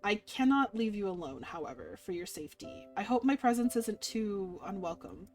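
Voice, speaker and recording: Polite gentle fantasy gentleman read by a woman, formal careful wording, visual novel, music under it. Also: medium pitch, lively intonation, normal speed, close to an everyday voice. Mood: gentle concern. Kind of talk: visual novel character reading.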